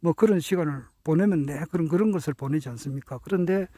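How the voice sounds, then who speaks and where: A man in his sixties giving a reflective spoken talk, earnest and hesitant, with many drawn-out fillers and self-corrections. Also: a little high, mellow, no room sound, rough recording. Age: 60s. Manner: earnest, self-correcting while counting out years. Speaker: speaker sharing reflections on his teachers.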